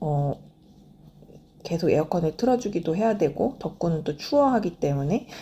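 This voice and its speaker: A soft-spoken woman with a fairly low, somewhat breathy voice has a dark, mellow tone. Her pitch swings very widely, and she leaves long, frequent pauses. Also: moderate pace. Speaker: knitting vlogger. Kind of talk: casual chat. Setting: home. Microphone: too quiet, may need boosting.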